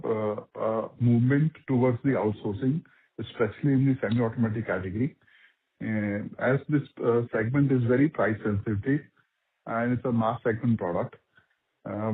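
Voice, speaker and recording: A company executive explaining business trends on an earnings call, with many fillers. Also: male voice, medium pitch. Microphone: phone line. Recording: husky tinny phone line.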